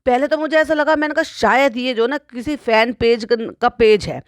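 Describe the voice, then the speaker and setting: A YouTube commentary host delivers a casual, chatty monologue, repeating phrases and throwing in frequent exclamatory "bhai sahab" asides. Her voice is on the high side at normal speed, recorded with studio quality and no room sound.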